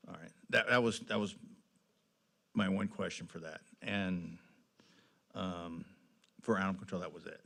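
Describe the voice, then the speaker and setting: A man's voice: low voice, fairly even intonation, moderate pace, vocal fry, long pauses, a bit bright. A man serving as a council member, asking questions informally in a plain-spoken, rambling way.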